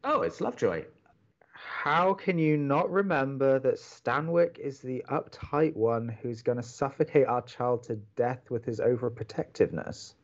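A man's voice: mid-range voice, measured pace, highs cut off, soft background music, close to an everyday voice. A man playing an upbeat, chatty young college radio co-host in an audio romantic comedy, earnest and wry. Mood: playful.

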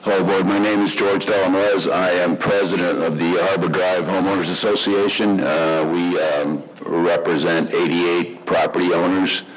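A middle-aged man, president of a homeowners group, reading prepared public comments at a podium in a meeting room. He speaks earnestly and haltingly, with many fillers. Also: deep voice, little pitch movement, over a noisy crowd, rough recording. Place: indoor township meeting room. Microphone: podium microphone.

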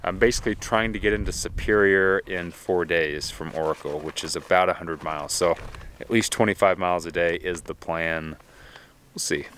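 A man, talking casually into a handheld camera outdoors while thru-hiking, upbeat but trailing into low mutters. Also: normal speed, fairly bright tone, a little hiss or hum. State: slightly winded from climbing. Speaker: thru-hiker vlogger. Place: outdoors in open desert. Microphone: handheld camera at arm's length.

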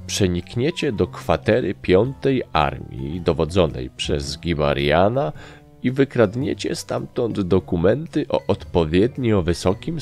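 A jittery army captain drones in a deep, slow, hopelessly sad voice, as a male narrator puts him on. Soft music hums faintly underneath. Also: gravelly, heavily acted.

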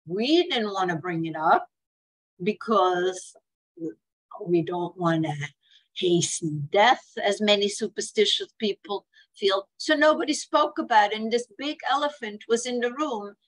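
An older Swiss woman, a hospice speaker on care planning, gives a webinar talk over a video call from a room at home. Her mid-range voice is measured, the audio poor, and she tells stories earnestly, taking on the voices of family members she quotes.

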